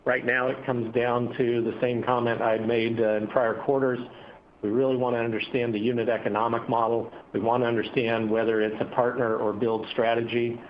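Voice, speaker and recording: A man speaking as a company executive, answering analysts on an earnings call in measured corporate phrasing with hesitant pauses. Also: medium pitch, level tone. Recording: dull, noisy conference call audio.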